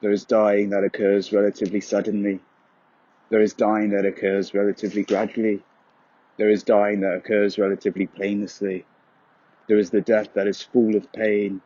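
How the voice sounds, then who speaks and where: A man giving a solemn, brooding, measured dramatic narration of dark poetic prose with a husky voice. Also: lowish voice, little pitch movement, no room sound, lo-fi sound. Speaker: voice-over narrator.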